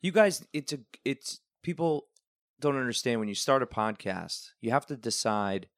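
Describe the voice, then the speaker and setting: Chatty young male guest from the Northeast, mid-pitch, dry close sound, laughs a lot. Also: expressive, normal speed, dry recording. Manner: chatty, laughs often, rambling storyteller. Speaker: TV news reporter, guest. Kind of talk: casual podcast chat.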